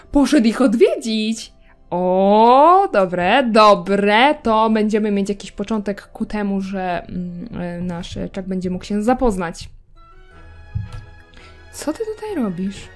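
A woman's voice: mid-range voice, lively intonation, takes it slowly, faint music behind. A young woman giving casual gameplay commentary, chatting to her game characters with self-mocking asides. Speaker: gameplay video creator.

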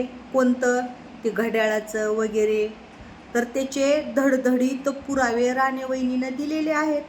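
A woman's voice: sits high, a little hiss or hum. A woman delivers a defiant, scolding monologue straight to the camera. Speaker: social media creator.

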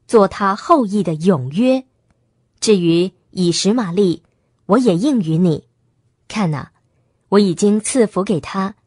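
God speaks in a solemn, measured way as an almighty male deity , voiced by a woman reading scripture. The delivery is steady and even, in a dry, close recording. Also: mid-range voice, no room sound.

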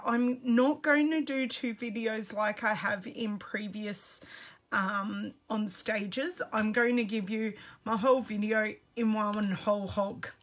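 Australian woman, scratchy voice, slow and friendly, greets viewers by name on a casual home stream. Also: on the high side, fairly bright tone. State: slightly scratchy, strained voice. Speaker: craft product demonstrator. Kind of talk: casual live-stream chat.

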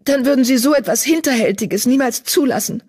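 A woman's voice: brisk, a little mellow, husky. A woman voicing an anxious, guilt-ridden young female medicine cat in an audiobook, pleading and distressed. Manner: pleading, distressed, voice raised high. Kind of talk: audiobook character voice.

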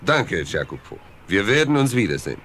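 The Count of Monte Cristo, calm and secretive. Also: male voice, lowish voice, a little hiss or hum. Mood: warm, guarded. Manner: measured, polite and controlled. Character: mysterious noble count, calm and secretive, also disguised as a priest.

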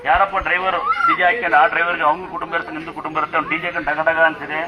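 A man with a Kannada accent, a temple priest instructing and blessing devotees at a fast, forceful pace. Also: on the high side, level tone, very noisy. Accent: Kannada, Karnataka. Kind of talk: loud public address to devotees. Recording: loud crowd behind.

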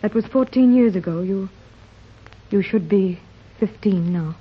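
An actress playing a wealthy mother searching for her lost daughter in a 1930s radio drama, with a breathy, tremulous voice. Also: medium pitch, unhurried. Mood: anxious. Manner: emotional, tremulous. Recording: dull old 1930s radio recording.

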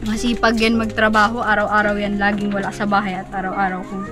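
A 19-year-old woman answering interview questions politely, halting and searching for words. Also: mid-range voice, monotone, music in the background. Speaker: interviewee, working daughter.

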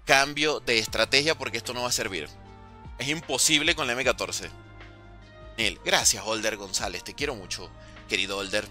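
A man's voice: on the low side, moderate pace, faint music behind. A man streaming a zombies game live, talking to his chat, thanking donors and yelping in alarm when things go wrong. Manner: excitable, yelps and repeated cries of alarm; chatty with viewers, thanks donors. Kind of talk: live gameplay commentary, reading chat.

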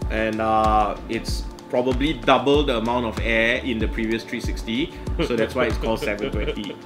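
A man's voice: lowish voice, steady tone, normal speed, music in the background. A young man with a Malaysian English accent hosting a casual sneaker review, rambling and correcting himself as he goes. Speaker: sneaker show host. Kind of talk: casual product review chat. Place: indoor office studio with shelves.

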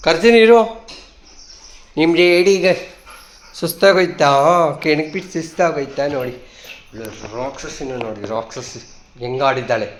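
A trans woman vlogger talks casually while walking outdoors on a hill, teasing and bossing her viewers loudly. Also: low voice, steady tone, moderate pace, a little hiss or hum. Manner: loud, teasing and bossy, scolding the viewers playfully. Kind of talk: casual vlog. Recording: roomy echo.

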